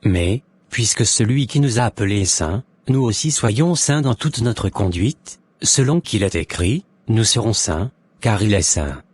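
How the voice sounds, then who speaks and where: In a cartoon, a man voices an earnest, devout Christian convert, delivering scripted Christian animation dialogue and preaching in a solemn, exhorting, formal manner. His fairly low voice is expressive and unhurried, with a breathy edge.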